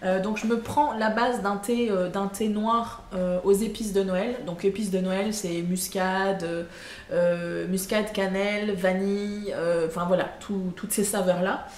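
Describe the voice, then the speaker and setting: A chatty woman vlogging from home, talking straight to the camera at a middling pitch. She meanders and corrects herself often, leaning on plenty of fillers. Her voice rings a little in an echoey room over a faint background hum. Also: fairly even intonation, measured pace. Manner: chatty, hesitant, frequent fillers and self-corrections. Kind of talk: casual monthly vlog chat.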